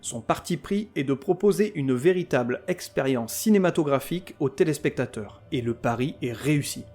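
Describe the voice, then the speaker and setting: A man with a fairly high speaking voice hosts a scripted comic podcast about television. He rants with sarcasm and crude language, working himself into mock outrage between plain stretches of review. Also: animated, moderate pace, a little mellow, soft background music. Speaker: podcast host.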